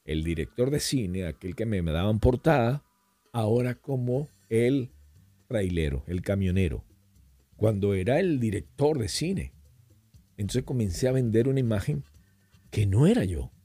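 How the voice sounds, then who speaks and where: Animated, husky-voiced man telling stories. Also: medium pitch, dry recording. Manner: animated storyteller who slips into voices and accents. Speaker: podcast guest. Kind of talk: casual conversational storytelling.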